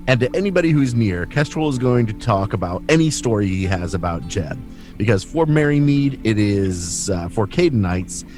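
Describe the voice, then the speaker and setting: A man casually narrates his character's actions on a tabletop game podcast. His voice is fairly low, over faint music. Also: a little mellow.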